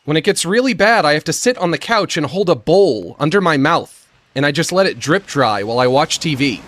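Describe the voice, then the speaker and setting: Male streamer, squeaky and breathless; slurred, lisping delivery with stammers, slow self-mocking pace. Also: lively intonation, fairly bright tone, dry recording. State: short of breath, gasping before sentences. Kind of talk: prerecorded monologue.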